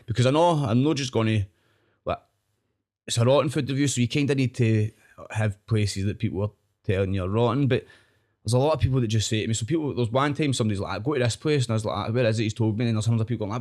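A man's voice: mid-range voice, fast talker, darkish tone. A man with a broad Glasgow Scottish accent chatting casually and telling stories in a rambling, slangy, sweary way. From Scotland. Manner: rambling, slangy, sweary, frequent "know what I mean". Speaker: online food reviewer, podcast guest. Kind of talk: casual chat, storytelling.

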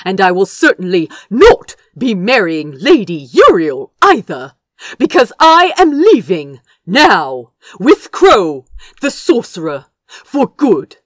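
A woman's voice: medium pitch, very animated, slow, dry recording. A woman voicing an earnest, indignant young prince in an audiobook, speaking firmly with precise, emphatic phrasing. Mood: earnest, defiant. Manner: firm, precise, emphatic speech. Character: young man, earnest, indignant prince defying his brother. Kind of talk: dramatic audiobook character dialogue.

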